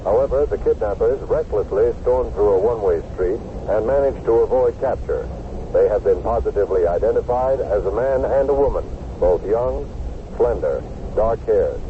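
An actor playing a sober male newsreader giving a formal, measured bulletin within a radio drama. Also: lowish voice, close to an everyday voice. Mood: sober, official. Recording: tinny, noisy radio bulletin sound.

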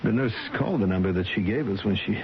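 An actor playing a worried middle-aged father in a radio drama, halting and repeating himself. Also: on the low side, natural voice. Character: anxious middle-aged father fretting over a sick woman. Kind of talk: old-time radio drama acting. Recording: dull vintage radio recording, faint hiss.

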